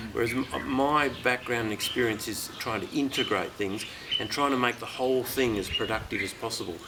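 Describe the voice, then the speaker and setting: A man with an Australian accent talks at a fairly quick pace at medium pitch with ordinary pitch variation, against noticeable background noise. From Western Australia. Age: 60s. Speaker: farmer and agricultural scientist. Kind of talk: interview. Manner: halting.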